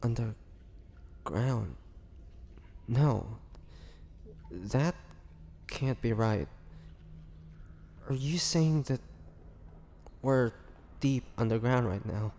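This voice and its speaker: A man playing a weary, brooding ancient vampire in a dramatic audio roleplay, speaking haltingly with a low, gravelly voice. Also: mellow. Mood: confused. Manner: slow, halting, brooding delivery with pauses. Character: weary, imprisoned ancient male vampire, groggy and menacing. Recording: long cavernous reverb, background noise.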